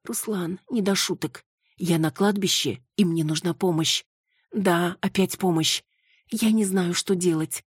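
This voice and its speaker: A woman's voice: fairly low pitch, a little slow, breathy edge, no echo, clean studio sound, pitched above the performer's own voice. A woman reading an audiobook, voicing a frantic young woman who pleads in a raised, breathless voice. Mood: pleading. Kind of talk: audiobook character voice.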